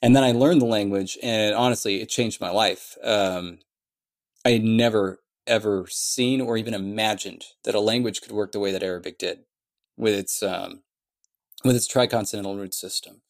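Man explaining language design, halting. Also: fairly low pitch. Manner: thoughtful, many fillers and restarts. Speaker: conlang creator answering questions. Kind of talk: casual explanatory interview.

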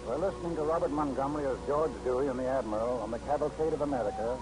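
A man announcing and narrating an old radio show in formal, measured 1940s radio style. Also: medium pitch, music in the background, poor audio. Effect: old radio show broadcast sound.

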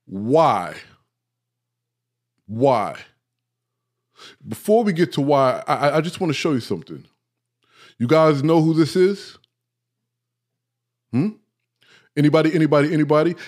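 Speaking at a medium pitch, a male host runs a casual talk show that doubles as a live-stream lecture. He talks right to his audience, frequently asking "right?" and "okay?", and his words get tangled when he gets excited.

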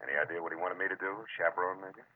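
An actor playing a hard-boiled, wry American private detective in a 1940s radio drama, with clipped, sardonic talk. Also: male voice, deep voice, fairly even intonation, racing, phone-quality sound, close to an everyday voice. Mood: skeptical, businesslike. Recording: noisy, thin vintage radio recording.

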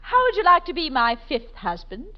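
A woman's voice: high-pitched, huge pitch swings, brisk. An actress playing a flirtatious, glamorous female jewel thief in a theatrical, coy drawl in a 1940s radio comedy. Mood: coy, seductive. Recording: dull vintage radio recording, faint audience.

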